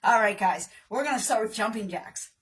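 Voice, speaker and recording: A woman's voice: mid-range voice, expressive, normal speed, a little hiss or hum. A woman leading a live workout as an encouraging aerobics instructor, chatting to viewers, cueing moves and counting down. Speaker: fitness livestream host and aerobics instructor.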